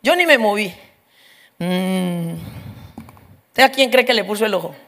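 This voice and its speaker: A middle-aged woman preaching a humorous testimony, telling her story lively and acting out the voices of others. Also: medium pitch, measured pace, slight background noise. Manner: lively storyteller, acts out voices, laughs often.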